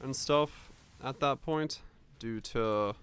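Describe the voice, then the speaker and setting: A young man from Finland, native in Finnish but speaking with an American accent, streams and chats with viewers in a smooth, fairly bright mid-range voice at a slow pace. He's loose and rambling, casually cursing and restarting many times.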